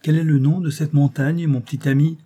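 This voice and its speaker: A man's voice: fairly high pitch, steady tone, brisk, mellow, breathy edge, voice pushed up. A man voicing a proud, irritable older professor in an audiobook, who asks brusque, impatient questions.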